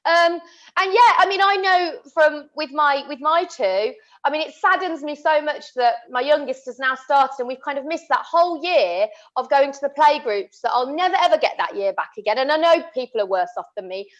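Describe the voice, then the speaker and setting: Woman, 30s, high-pitched, impassioned casual chat, muffled lo-fi audio. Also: lively intonation, moderate pace. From England. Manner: impassioned, earnest, many restarts. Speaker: podcast co-host. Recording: dull lo-fi audio.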